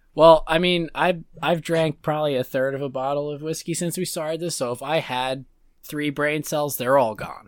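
A man with an American accent has a plain, everyday voice, fairly high in pitch, with fairly even intonation. He talks at a moderate pace on a very clean recording with a silent background. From New Jersey. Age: 20s. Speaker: podcast host. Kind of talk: casual chat.

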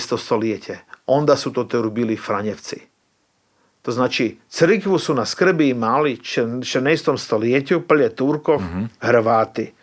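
A man's medium-pitched voice at a very slow pace, lively intonation, on a very clean recording with a silent background. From Slovakia, Croatian village near Bratislava. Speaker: cultural activist and choir leader. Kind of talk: interview.

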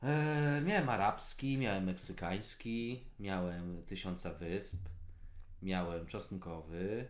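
In a room with audible echo, a man speaks at a very slow pace with a fairly low pitch. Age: 20s. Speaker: comedian. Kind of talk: casual chat.

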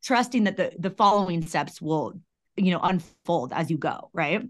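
A woman talks in an animated tone at a fairly quick pace, with very wide pitch swings. The background is quiet. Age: 30s. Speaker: entrepreneur and podcaster. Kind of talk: casual chat.

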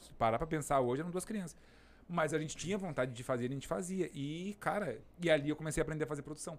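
A man talks in an ordinary speaking voice. His pitch is fairly high, with ordinary pitch variation. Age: 40s. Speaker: stand-up comedian and actor. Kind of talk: casual chat.

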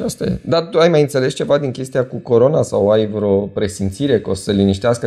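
The clip features an ordinary speaking voice with ordinary pitch variation. Its delivery is fairly quick. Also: man. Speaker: podcast host. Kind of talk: casual chat. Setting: video call.

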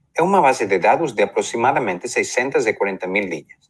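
Pitched at a medium level, a man's voice carries lively intonation. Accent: Spanish. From Barcelona, Spain. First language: Spanish (speaking Portuguese). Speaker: data scientist. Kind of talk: software demo. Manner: halting.

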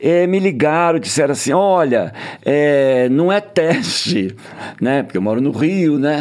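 This man's voice sits at a fairly high pitch and carries lively intonation. Noticeable background noise runs behind him. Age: 70s. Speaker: actor. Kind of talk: casual chat.

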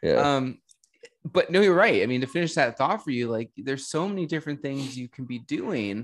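With a plain, everyday voice, a man talks at a fairly quick pace. His pitch is fairly high and his intonation is lively. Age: 30s. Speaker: podcast host. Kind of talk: podcast interview.

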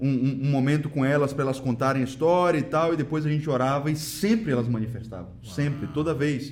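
At a fairly quick pace, a man speaks in a fairly high pitch with ordinary pitch variation and audible room echo. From Rio de Janeiro, Brazil. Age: 30s. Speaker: pastor. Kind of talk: casual chat.

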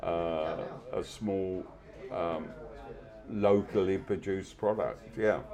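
A man with a London accent speaks at a fairly low pitch with fairly even intonation. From London, England. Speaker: bar owner. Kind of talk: interview. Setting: in a bar.

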